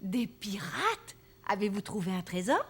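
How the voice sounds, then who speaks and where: A woman's voice: mid-range voice, big pitch swings, unhurried, fairly bright tone, slightly rough, exaggerated voice. A woman voicing a kind, patient mother in a French children's cartoon, with a soothing, coaxing way of talking. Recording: music behind the voice.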